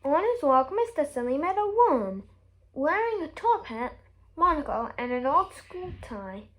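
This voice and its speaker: A woman reads a children's story aloud in a high voice. Her delivery is expressive and emphatic, with a melody that swings widely from phrase to phrase. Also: unhurried. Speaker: story reader.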